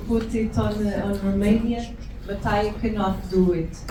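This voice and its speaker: A woman's fairly high voice with a Portuguese accent, fairly slow and monotone, with flat intonation, audible room echo and noticeable background noise. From Portugal. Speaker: academic researcher. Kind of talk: conference talk. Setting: conference room with audience. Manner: halting, many fillers.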